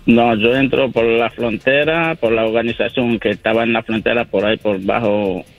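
A man's voice: mid-range voice, fairly even intonation, moderate pace, creaky, faint music behind. Haitian-accented man on a muffled phone line. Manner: hesitant, searching for words. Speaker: caller.

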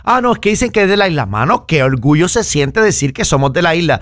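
A Puerto Rican man co-hosting a casual talk show. His voice sits a bit high, and he talks in an animated, teasing way. The sound is dry and close to the mic. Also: quick pace, no room sound. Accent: Puerto Rican Spanish. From Puerto Rico. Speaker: co-host.

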